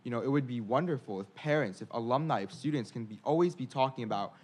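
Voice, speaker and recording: Male panelist, medium pitch, relaxed and informal delivery. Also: fast. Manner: casual, uses fillers like "like" and "you know". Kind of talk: panel discussion remarks.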